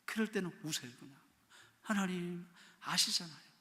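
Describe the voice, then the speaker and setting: Middle-aged male pastor, animated sermon delivery, high-pitched and bright tone, long church-hall reverb. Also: moderate pace. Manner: animated preaching, acting out prayers and quotes, shouting then dropping soft. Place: church sanctuary.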